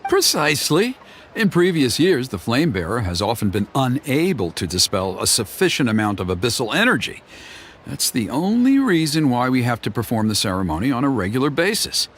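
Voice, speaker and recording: A man voicing a smooth-talking, flattering male tribal elder who persuades the heroes in a game. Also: medium pitch, brisk, a little hiss or hum. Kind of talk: game voice acting. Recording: game music behind.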